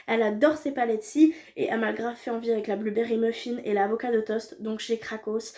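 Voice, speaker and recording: A woman's voice: fairly high pitch, steady tone, fast, dark tone. A young woman chatting casually through a beauty product haul, enthusiastic and full of fillers and slang. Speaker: beauty vlogger.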